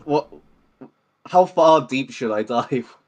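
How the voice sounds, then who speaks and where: A man's voice: mid-range voice, lively intonation, takes it slowly, a little mellow. A man, talking casually as an interview guest. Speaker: interview guest, game developer. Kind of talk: casual chat.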